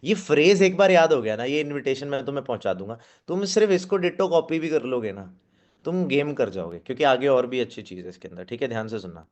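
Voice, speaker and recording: A man of ordinary middle pitch coaches a room of team members, speaking straight to them. He keeps checking whether they follow and slips English phrases into his talk. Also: expressive, darkish tone. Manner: coaching, checks in often with a quick question, mixes in English phrases. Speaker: network marketing team trainer. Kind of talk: live training talk to a seated team. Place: meeting room with team present.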